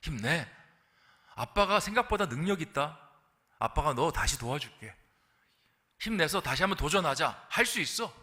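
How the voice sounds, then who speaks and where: A man doing a gruff, bright-voiced father. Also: fairly high pitch, sing-song, normal speed, long pauses. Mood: gruff encouraging. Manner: blunt, manly, encouraging. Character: gruff kind father cheering on his grown son.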